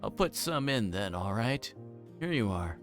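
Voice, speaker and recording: Man as sly older male detective, low pitch, casual, needling, visual novel character. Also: big pitch swings, unhurried, a bit bright, faint music behind.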